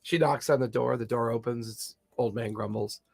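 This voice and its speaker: A man's voice: mid-range voice, fairly even intonation, moderate pace, creaky, darkish tone, husky. A man narrating an improvised tabletop game as game master.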